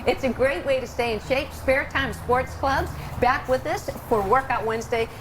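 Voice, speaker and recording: A woman's voice: sits high, normal speed, background noise. A woman hosting an upbeat live TV interview, chatty and encouraging with her guests. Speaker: TV lifestyle show host. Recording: music playing behind the voice. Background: background music.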